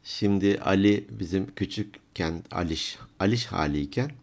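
A man's voice: low voice, measured pace, gravelly, darkish tone. A man in casual conversation who laughs often and tells humorous anecdotes.

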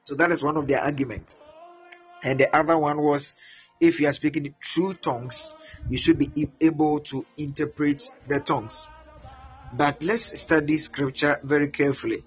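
A man's voice: a little high, normal speed. Ghanaian man teaching a sermon. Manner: repeats words, animated, acts out prayers and voices. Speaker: preacher. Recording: muffled lo-fi with faint music.

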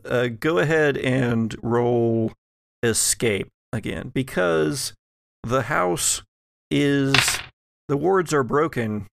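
A man acting as game master, improvising atmospheric narration of a tabletop game in deliberate phrases with many pauses. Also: medium pitch, creaky, no room sound, clean studio sound. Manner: slow, deliberate, pausing between phrases.

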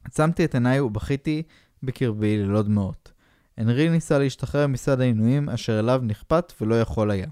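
A man, a podcast co-host, reading a pulp novel aloud in a flat, deadpan way. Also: medium pitch, dry recording, studio quality.

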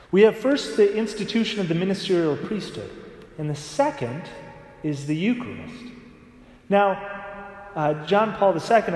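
A male priest with a slightly high voice addresses a church liturgy. His words carry strong echo and a long reverberant tail, as in a large stone-walled church interior. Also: a little mellow. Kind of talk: liturgical scripture reading and homily.

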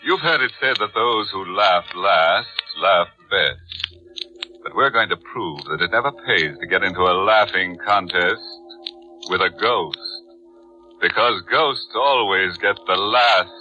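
A man's voice: low-pitched, lively intonation, a little slow, pushed and bright, faint music behind, heavily acted. A man playing a ghoulish, gleeful vintage horror narrator, tongue-in-cheek, in 1940s radio style. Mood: macabre glee. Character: ghoulish, gleeful punning horror show host. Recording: dull 1940s radio recording.

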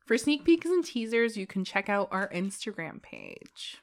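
A woman's voice: medium pitch, huge pitch swings, measured pace, gravelly. A woman co-hosting a podcast, chatting in a playful, casual way. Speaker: podcast co-host. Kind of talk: casual chat.

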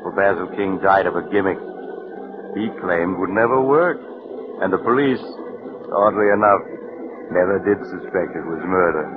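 A man's voice: deep voice, moderate pace, pauses often, background noise, close to an everyday voice. An actor playing a sly, sardonic male storyteller who hosts and narrates a radio drama in wry, insinuating 1940s radio acting, heard on a dull 1940s radio broadcast. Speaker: show host and narrator.

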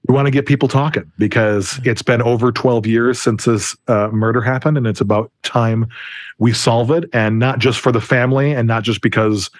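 An American man talks as the guest on an interview show. He is earnest and enthusiastic, explaining things in a conversational storytelling way. The sound is close and dry, and his pitch sits in an average male range. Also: fairly even intonation, normal speed, no echo. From Wisconsin, United States. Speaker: interview guest, film and TV producer.

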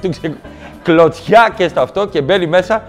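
A man telling stand-up comedy stories, animated and switching into mock voices. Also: high voice.

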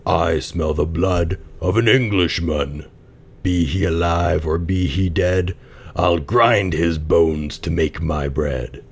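Man doing a slow menacing giant. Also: sits low, husky, heavily acted. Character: big fearsome greedy male giant.

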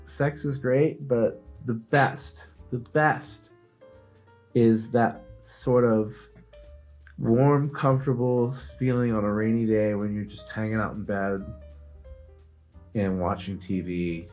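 Rambling low-voiced man on a podcast. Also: fairly even intonation, slow, a little mellow, soft background music. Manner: rambling, many fillers and restarts. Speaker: podcast co-host. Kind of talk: casual comedic chat.

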